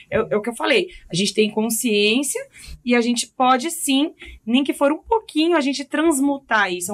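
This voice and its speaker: A middle-aged Brazilian woman, a mother, talking thoughtfully and hesitantly in a casual podcast chat. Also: on the high side. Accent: Brazilian Portuguese. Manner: thoughtful, hesitant, many fillers. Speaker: podcast guest.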